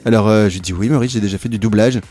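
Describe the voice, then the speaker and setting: A man's voice: fairly low pitch, fairly even intonation, very fast, warm tone, soft background music. A man hosting a radio show with playful, teasing, colloquial banter. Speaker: radio host. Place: radio studio.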